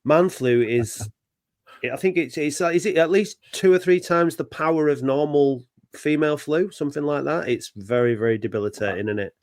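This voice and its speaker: A man's voice: fairly high pitch, a little fast, few pauses, a little mellow, no echo, clean studio sound. A man hosting a football podcast in a chatty, bantering, casual way. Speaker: podcast host.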